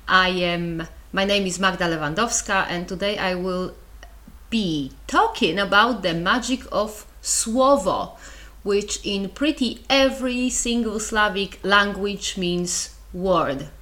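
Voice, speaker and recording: A woman's voice: medium pitch, takes it slowly, bright, forceful tone. A woman with a Polish accent hosting her own podcast, explaining ideas in a chatty, wry way with asides. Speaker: podcast host. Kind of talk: solo podcast lecture.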